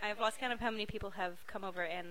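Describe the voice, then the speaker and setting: A woman guest on a podcast, telling an excited story and acting out the people in it. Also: medium pitch, quick pace, crowd noise, poor audio. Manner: excited, acts out the people in her stories. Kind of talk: casual storytelling chat.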